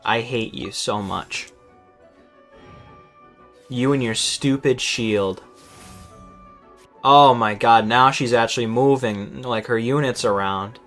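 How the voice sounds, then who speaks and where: Male streamer, mid-pitched, casual and exasperated, swears freely, stammers when flustered, music behind. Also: slow pace, long pauses, fairly bright tone. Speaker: game streamer. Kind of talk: casual live gameplay commentary. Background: game music.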